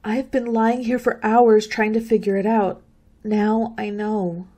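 A young woman playing a frightened, pleading college girl in a suspense radio play, with halting, repetitive delivery. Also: medium pitch, flat delivery, mellow, lightly acted. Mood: uneasy, fearful. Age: young adult. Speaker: radio drama actor.

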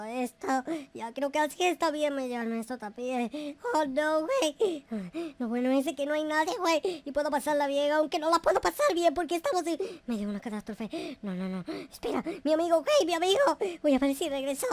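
A man's voice: very high voice, lively intonation, fairly quick, hardly any pauses. A man voicing a naive, panicky noob boy in an improvised Minecraft roleplay, whining and repeating words frantically. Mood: worried, muttering. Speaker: gameplay video creator.

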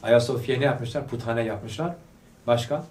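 A man leads a religious study talk with fervor, throwing rhetorical questions and coaxing the audience to reply. His mid-pitched voice comes from a distance in a reverberant hall. A faint background hiss sits under the speech. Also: moderate pace, darkish tone. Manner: fervent, fires rhetorical questions at listeners; prompts the audience to answer aloud. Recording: echoey room, voice picked up from afar.

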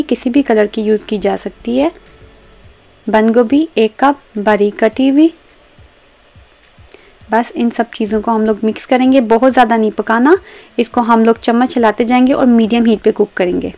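A woman with a fairly high voice narrates a recipe as a cooking host. She explains each step in an instructional way, speaking straight to the viewer. Music plays behind her. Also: normal speed, gravelly, a little mellow.

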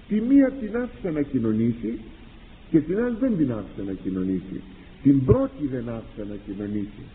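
A man, a priest and confessor, delivering a sermon with animated rhetorical questions and acted-out exchanges. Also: mid-range voice, long pauses, slight background noise. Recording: tinny lo-fi archive recording in a reverberant hall.

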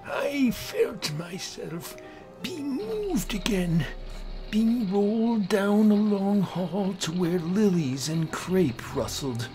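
A man's voice: high voice, lively intonation, slow, music in the background. A man giving a brooding, theatrical first-person narration of a horror comic story. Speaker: narrator and amateur voice actor.

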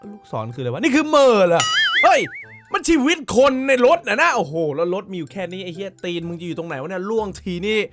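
A male host casually reacting to viral clips, exclaiming often, swearing freely and laughing along. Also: high-pitched.

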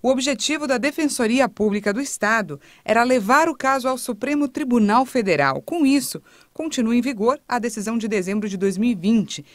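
A woman reporter reading a news report voice-over in a brisk, even narration. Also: fairly high pitch, no room sound.

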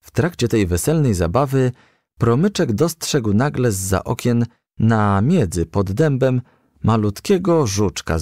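Slow, deep-voiced male storybook narrator. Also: dry recording, studio quality. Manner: expressive, measured storytelling. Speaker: audiobook reader. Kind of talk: scripted storybook narration for children.

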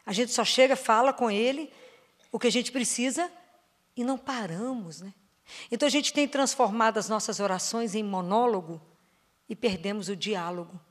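A sermon for a parish prayer group is delivered by a woman whose accent is Brazilian Portuguese, speaking in a church or parish hall. She asks the group questions, lingers on stressed words, and goes soft and low on the phrases that matter most.

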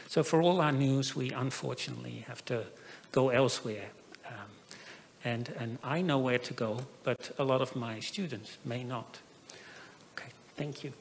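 A middle-aged man talks through his conference slides with a gravelly, fry-edged voice, stumbling over restarts and filling pauses with "um". He holds a handheld mic, and his voice rings out with the long reverb of a large conference hall. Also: mid-range voice, slight background noise. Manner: hesitant, many fillers and restarts. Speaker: professor presenting at an academic forum. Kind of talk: conference presentation. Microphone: handheld microphone.

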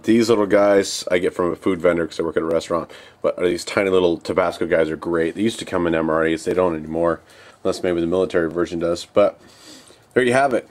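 A young man's low voice comes through a close-held camera as he demonstrates camp cooking outside at night. He's relaxed and rambling, using plenty of fillers.

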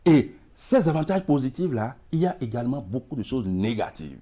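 Wearing a lapel mic, this studio guest on a TV interview is a middle-aged emigration expert with a West African French accent. His medium-pitched voice is dark, slightly rough and very animated, moving a little fast, and he gestures broadly while tripping over repeated words.

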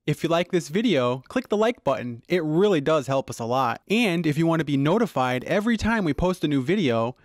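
A man's voice: on the high side, lively intonation, a little fast, few pauses. A man reading a scripted promotional voice-over as an announcer.

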